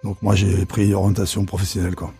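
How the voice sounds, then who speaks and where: A middle-aged man with a Parisian suburban accent, a chef recalling his youth in halting casual talk full of fillers and restarts. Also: sits low, little pitch movement, dark tone, soft background music. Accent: Parisian suburban French. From Paris suburbs, France. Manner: hesitant, many fillers and restarts. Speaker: chef interviewed about his career. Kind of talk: casual spoken recollection.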